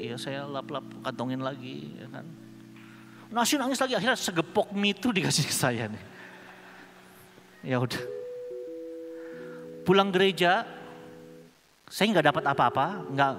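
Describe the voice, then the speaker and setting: A man's voice: a little high, background noise. Man telling a funny testimony in a hall. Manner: casual, humorous storytelling with slang. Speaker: conference speaker. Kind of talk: personal testimony sermon. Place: large conference hall. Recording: long hall reverb with music underneath.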